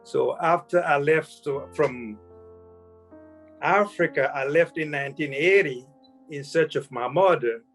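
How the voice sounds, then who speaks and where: A man in his sixties, born in Vietnam, telling his life story as an interview guest in a halting way that often restarts phrases. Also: a little high, fairly bright tone, faint music behind. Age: 60s.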